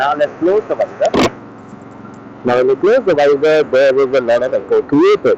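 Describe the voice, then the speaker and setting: The man's moderately paced speech is accompanied by noticeable background noise. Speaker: tech reviewer. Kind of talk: product test vlog. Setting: outdoors on a bike, inside a helmet; shopping mall. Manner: hesitant with many fillers. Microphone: wireless earbud mic, echo inside closed helmet.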